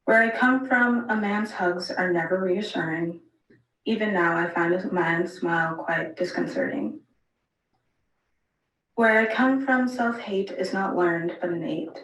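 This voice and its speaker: A woman introducing and reading her own poem in a steady, deliberate delivery. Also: on the low side. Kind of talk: recited poetry. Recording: roomy, distant mic.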